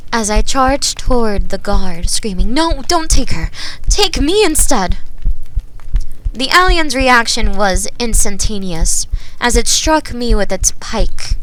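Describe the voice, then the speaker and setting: A woman narrates a dark science fiction tale in an expressive, measured way. Her voice sits at an average female pitch. The binaural recording carries some faint noise and small clicks. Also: low-quality recording. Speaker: storytelling ASMR performer. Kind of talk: dramatic audiobook-style narration of a sci-fi horror story. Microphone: binaural microphone.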